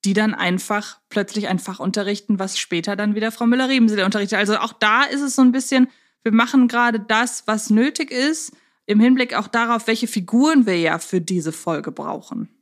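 Mid-pitched woman podcast host. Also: a little fast. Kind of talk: casual analytical fan discussion.

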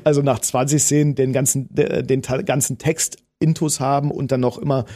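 A man's voice: mid-range voice, little pitch movement, a little fast, warm tone. A man in his thirties, an actor with a Berlin accent, chatting in an interview with many fillers and restarts. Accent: Berlin dialect. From Potsdam, Germany. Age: 30s. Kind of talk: interview conversation.

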